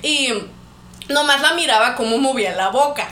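A woman's voice: sits high, normal speed. A young woman with a Mexican accent, animatedly telling a personal story in a casual podcast chat, laughing often. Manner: animated, laughs often, acts out quoted voices. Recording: echoey room with faint noise.

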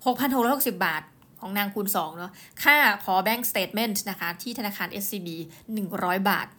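A woman hosting her own show, telling a personal story in a casual, animated way, with quick asides and exclamations, and often speaking straight to her listeners. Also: mid-range voice. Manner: chatty, animated, often addresses listeners directly. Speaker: host.

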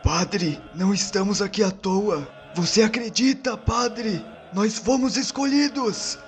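Man voicing a weak, pleading, high-pitched despairing occultist. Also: a little slow, faint music behind. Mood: pleading, insistent. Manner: weak-voiced, pleading, repeats himself. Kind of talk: in-character role-play acting.

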